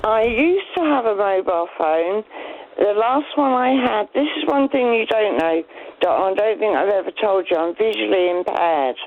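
A woman in her fifties calling in to a radio show over a landline phone. She speaks earnestly and haltingly, often repeating herself. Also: mid-range voice, lively intonation. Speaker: caller. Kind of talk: phone-in chat. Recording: narrow tinny phone line.

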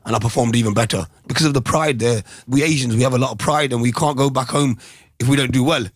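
A middle-aged former boxer answers questions in a soft, halting way, full of ums and restarts. His pitch sits in the middle and the sound is dry and close. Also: no echo. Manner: soft-spoken, hesitant, many ums and restarts. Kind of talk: interview, recalling his past.

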